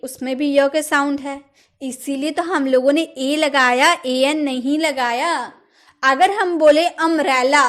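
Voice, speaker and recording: Woman, high voice, exam-prep grammar lesson, asks questions and answers them, repeats key words. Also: a bit bright. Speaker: English grammar teacher.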